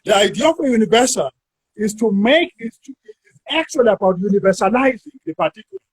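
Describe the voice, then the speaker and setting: High-voiced husky South African man. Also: animated, dry recording. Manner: measured, stretches words while thinking. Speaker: university academic. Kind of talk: academic discussion.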